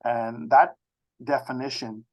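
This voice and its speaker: A man in his sixties from the Bahamas with a Bahamian accent, talking as an interview guest in a halting, circling way with repeated phrases. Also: medium pitch, fairly even intonation. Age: 60s. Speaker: interview guest, technology expert. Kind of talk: conversational autobiographical interview talk.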